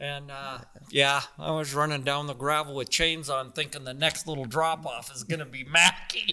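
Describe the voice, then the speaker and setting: Over noticeable background noise, a man with an American accent talks at a moderate pace in a fairly high pitch, with monotone, flat intonation and big swings in loudness. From California. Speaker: veteran truck driver. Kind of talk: casual chat. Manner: laconic.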